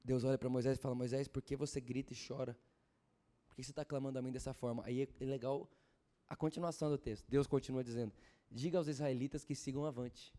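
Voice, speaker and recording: A man preaching a sermon at a church service, swinging from loud fervent exhortation to hushed storytelling and asking the congregation questions. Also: mid-range voice, steady tone, fast. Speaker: pastor.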